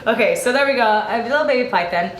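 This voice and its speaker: A young woman co-hosting a talk show, chatting and telling a story on a studio couch, animated and laughing often. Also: a little high, fast talker, over a noisy crowd. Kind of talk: casual banter, telling a story. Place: TV studio set, seated on a couch. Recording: roomy studio with faint hiss.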